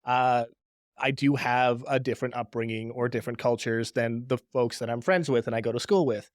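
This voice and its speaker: A man's voice: mid-range voice, steady tone, normal speed, no room sound, clean studio sound. A young man from Pakistan, a native Urdu speaker, chatting casually as a podcast guest with lots of fillers and restarts. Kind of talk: casual interview chat.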